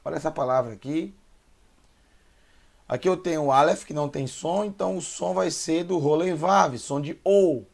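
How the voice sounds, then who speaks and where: Man, Brazilian Portuguese accent, gravelly, fairly high voice, slow careful syllables, beginner lesson. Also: a little mellow. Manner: sounds out syllables slowly and repeats words. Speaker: Hebrew teacher.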